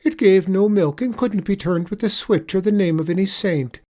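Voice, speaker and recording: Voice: medium pitch, normal speed, warm tone, pitched above the performer's own voice, lightly acted. A storyteller voicing a sly, wheedling male leprechaun with an Irish accent, spinning a pitiful tale in a storybook reading.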